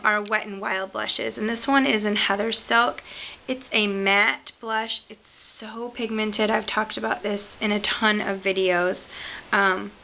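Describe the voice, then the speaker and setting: A woman beauty vlogger, a little raspy from being sick, chatting casually through a product review with lots of "um" and "like". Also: medium pitch, sharp tone, dull audio.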